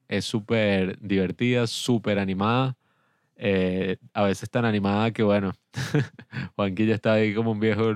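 A man's voice: fairly low pitch, darkish tone, no echo, clean studio sound. A man co-hosting a casual film review podcast, rambling and joking as he talks. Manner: rambling, joking, laughs often. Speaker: podcast co-host.

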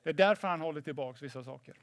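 A man's voice: fairly high pitch, no echo. Man preaching in a dry room. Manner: conversational preaching, asks "eller hur?", drops English phrases. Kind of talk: sermon.

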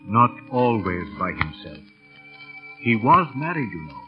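A kindly doctor in a radio play, tactful and reassuring. His pitch moves freely, and the old broadcast sounds muffled. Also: very animated, a little slow, music in the background. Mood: grave. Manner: hesitant, reassuring. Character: tactful, kindly English village doctor, male. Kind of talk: classic radio drama acting.

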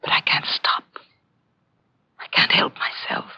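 A man playing an anguished confessed murderer in halting, melodramatic 1940s radio drama acting. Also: a little high, animated, creaky, pushed and bright, breathy edge, dry recording, exaggerated voice. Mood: haunted resignation. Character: anguished confessed murderer, a doomed mystery novelist. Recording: dull old radio recording, music behind.

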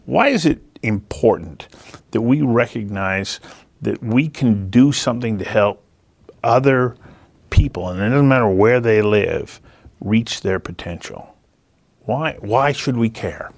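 A man with a somewhat low voice hosts a conversation show. He talks in long, earnest, reflective sentences and takes his time making his point. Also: expressive, measured pace, vocal fry. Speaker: interview show host. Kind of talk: scripted intro then conversational interview.

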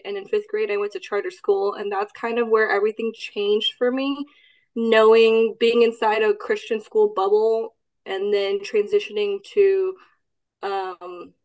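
Relaxed young woman from Texas. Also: mid-range voice, low-quality recording. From Austin, Texas. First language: Cantonese. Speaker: guest. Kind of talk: casual podcast interview.

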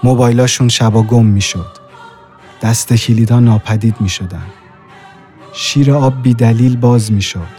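A man reading a scripted horror story with dramatic, suspenseful delivery. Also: mid-range voice. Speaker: narrator. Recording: soft music bed behind the voice.

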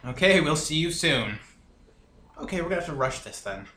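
A man's voice: a little high, animated, fairly quick, pushed and bright, slight background noise. A man playing a tabletop game, asking questions and chatting with the group. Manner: inquisitive, chatty. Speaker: player. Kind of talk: casual tabletop game chat. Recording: echoey room.

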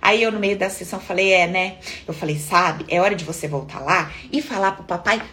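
A Brazilian woman therapist talking on a live stream. She answers viewers in a lively way, acts out little dialogues and asks frequent rhetorical questions. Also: mid-range voice, brisk. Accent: Brazilian Portuguese.

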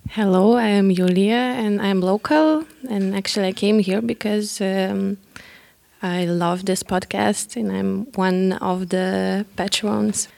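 A woman, a local listener of the podcast, introducing herself slowly. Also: medium pitch, steady tone, creaky, a little mellow.

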